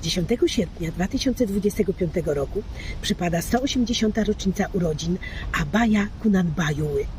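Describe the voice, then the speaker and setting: Female reader, formal and declamatory with lively intonation, clear background noise like traffic. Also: lowish voice, fairly quick. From Poland. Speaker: reader, fan club member. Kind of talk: formal reading of a literary text.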